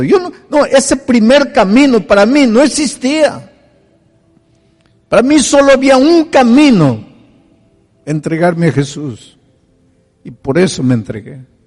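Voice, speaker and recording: A man's voice: mid-range voice, natural voice. Preacher acting out a reformed drunk man, pleading, voice climbing with feeling; echoey hall, faint music. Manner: impassioned, rising to near-shouts. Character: former alcoholic man, pleading and emotional.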